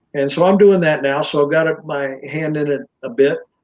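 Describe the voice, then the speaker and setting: His pitch moves in an ordinary way. The speaker, a man, keeps a moderate speed. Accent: Texan. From Texas, Dallas. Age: 60s. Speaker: former strength and conditioning coach. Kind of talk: interview. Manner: halting.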